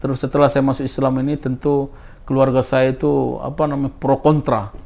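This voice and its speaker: A man in his thirties from East Timor, telling his personal story in a casual interview, his voice rising high when he stresses a point. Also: fairly quick, creaky. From Timor Leste. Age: 30s. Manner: animated storyteller, voice rising with emphasis.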